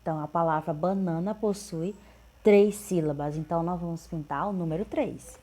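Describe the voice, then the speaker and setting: A woman's voice: lowish voice, moderate pace, warm tone. A woman teacher, going through workbook answers patiently and repeating each one. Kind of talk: correcting workbook exercises.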